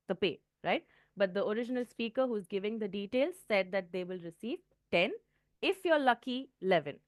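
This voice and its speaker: A woman's voice: medium pitch, no echo, clean studio sound. A woman with an Indian English accent giving a test-prep lesson, often checking in with "okay". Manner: clear teaching tone, frequent "okay" checks. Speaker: IELTS trainer.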